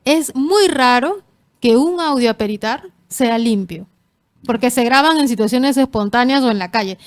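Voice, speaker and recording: A woman, a forensic linguist guest, explaining in a measured way with examples. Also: a little high. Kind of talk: explanatory interview answers.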